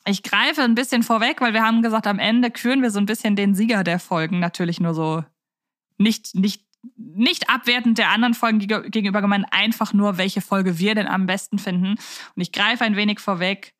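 A woman's voice: medium pitch, no room sound, studio quality. A woman co-hosting a podcast in a casual, chatty and enthusiastic way. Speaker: podcast co-host. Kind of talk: casual fan podcast chat.

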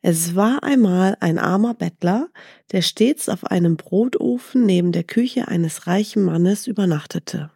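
A woman calmly reading a teaching fairy tale aloud in a measured way. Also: on the low side, vocal fry, husky, no echo, clean studio sound. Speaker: storyteller. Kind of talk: storybook reading.

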